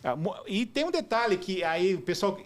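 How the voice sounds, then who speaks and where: Animated Brazilian man, high and very expressive, excitable podcast guest. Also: moderate pace. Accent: Brazilian Portuguese. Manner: animated, enthusiastic, searches for words. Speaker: podcast guest, marketing professional. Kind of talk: casual chat. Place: bar.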